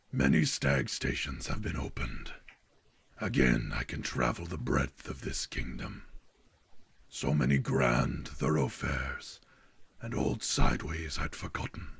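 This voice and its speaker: The man talks at a moderate pace. His put-on character voice has a very deep, low pitch. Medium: machinima. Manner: wistful, then disdainful.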